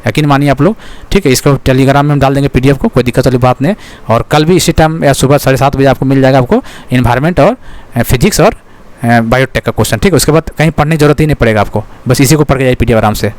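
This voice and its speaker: A man's voice: mid-range voice, fast, a little mellow. A man teaching an exam-prep lesson, repeating his own questions to the class and filling with frequent checks like "okay". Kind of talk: fast exam-prep lecture.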